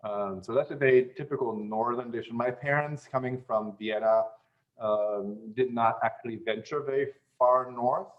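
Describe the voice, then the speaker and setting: A man who grew up in German-speaking Europe, chatting as an interview guest in an unhurried way, with many fillers and restarts. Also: medium pitch, steady tone, lo-fi sound. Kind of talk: casual interview chat.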